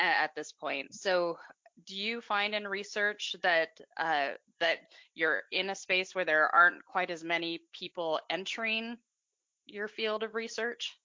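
A woman's voice: sits low, pushed and bright, no room sound, dull audio. A woman in her forties hosting an interview, setting up a long, thoughtful question. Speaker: podcast host.

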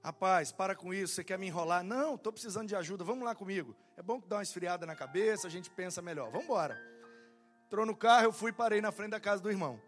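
A man's voice: high voice, quick pace, faint music behind. A young man preaching as a pastor, telling a story and acting out the dialogue. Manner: animated, acts out dialogue in quotes. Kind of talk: sermon storytelling.

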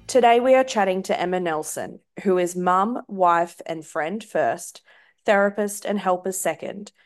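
Aussie woman hosting a podcast, bubbly, laughs lots, a bit low. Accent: Australian. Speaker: podcast host, therapist. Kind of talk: scripted intro then casual chat. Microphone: video call.

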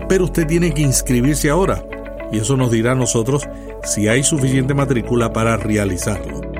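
A podcast host with a Puerto Rican accent and a mid-range voice reads a scripted intro and interviews guests. His delivery is measured and announcer-like.

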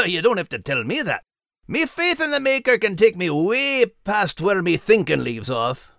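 A man voicing a good-natured, easily flustered, slow-witted male animal with a Scottish accent in an audiobook story. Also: medium pitch, very animated, vocal fry, fairly bright tone, no room sound, studio quality, voice pushed up. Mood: jovial. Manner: folksy, halting, easily flustered.

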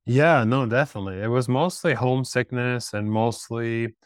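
A man in his thirties from Peru, a guest telling his story in a casual interview, relaxed and rambling with restarts. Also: mid-range voice, normal speed, clear, resonant tone, no echo, clean studio sound. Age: 30s. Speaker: guest, startup founder.

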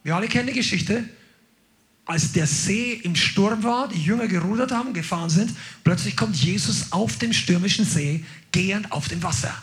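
A man preaching a sermon, energetic and exclaiming to his congregation. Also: high voice, normal speed. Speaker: pastor.

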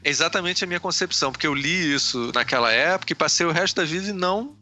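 A man with a Pernambuco accent, co-hosting a podcast in relaxed, chatty talk. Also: a little high, fast talker. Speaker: podcast co-host. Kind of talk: casual podcast chat.

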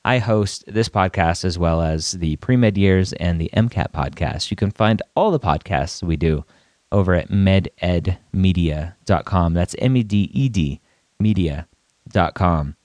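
Male podcast host, deep and nasal with a head cold, measured explainer, dry studio-close sound. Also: a little mellow, no room sound. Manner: measured, explanatory, with small restarts. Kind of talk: solo podcast talk.

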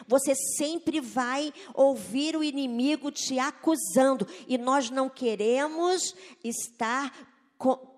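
A woman delivers a sermon in a fairly high voice. She speaks slowly and stresses her points earnestly, often putting rhetorical questions to her listeners. Her voice rings out with a long reverb, as in a large hall. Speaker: preacher.

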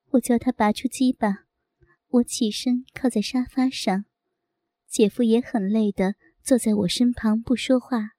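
A woman reading a first-person story aloud in a soft, intimate, unhurried way. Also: on the high side, no room sound, studio quality.

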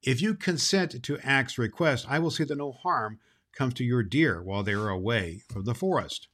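A man's voice: mid-range voice, animated, normal speed, a bit bright, pitched above the performer's own voice. Guy reading a kind fairy queen, reassuring.

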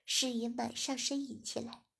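A woman reads a first-person story aloud in a steady, low-key way. Her voice sits a little high, with a gravelly fry and a husky grain. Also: moderate pace. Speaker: story reader.

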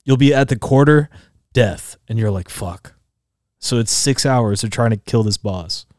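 A man in his twenties co-hosting a relaxed podcast, spinning excited stories and acting out sounds with his voice. His pitch sits in the middle range, and he fills his talk with "like" and "bro." The room is dead and dry. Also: measured pace, no room sound. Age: 20s. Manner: animated storyteller, acts out game sounds, heavy filler "like" and "bro". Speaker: podcast co-host. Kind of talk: casual chat.

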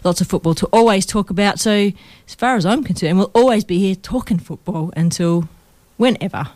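A woman's voice: mid-range voice, brisk, a little mellow, no echo. A woman co-hosting a community radio football show, upbeat and chatty as she reads out thanks and news. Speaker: radio co-host. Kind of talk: casual community radio chat.

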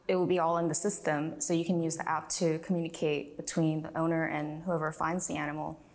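A woman speaking for a tech company, explaining its product in a measured interview. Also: sits low.

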